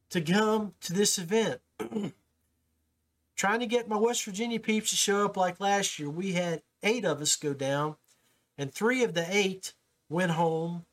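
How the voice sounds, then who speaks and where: A man hosts a podcast in a relaxed, rambling way, with fillers and restarts. His voice sits a little high for a man. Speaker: podcast host. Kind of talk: casual podcast talk.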